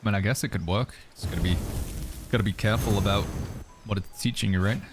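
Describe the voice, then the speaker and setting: Deep-voiced man chatting on stream. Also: fast, background noise. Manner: relaxed, reads viewer questions aloud and muses with hedging asides. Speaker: streamer answering chat. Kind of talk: casual livestream chat while playing.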